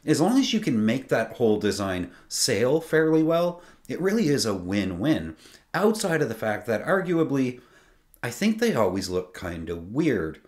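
A man's voice: mid-range voice, normal speed. A man in his forties hosting a sailing channel, talking emphatically to camera from a small home studio. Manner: animated, emphatic, gestures with his hands. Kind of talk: scripted video commentary.

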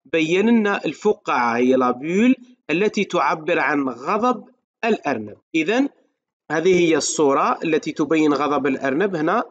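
A man with an Algerian Arabic accent and a fairly high voice gives a middle school French lesson. He reads each sentence slowly, then explains it rapidly in dialect. The recording sounds dull and lo-fi. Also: expressive. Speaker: French teacher.

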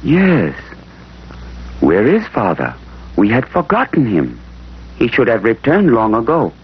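Earnest young son, lively. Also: male voice, mid-range voice, a little slow, husky, full character voice. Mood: concerned. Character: earnest young hunter's son in African folktale. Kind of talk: scripted cartoon acting. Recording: dull, noisy old film soundtrack.

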